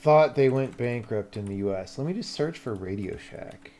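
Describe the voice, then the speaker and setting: An American man with a medium-pitched voice talks informally as a live streamer. He explains technical things off the cuff, rambling and thinking aloud as he goes. His wording is loose and conversational, occasionally mildly profane. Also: lively intonation, moderate pace, dark tone, a little hiss or hum. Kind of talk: casual livestream chat, explaining tech.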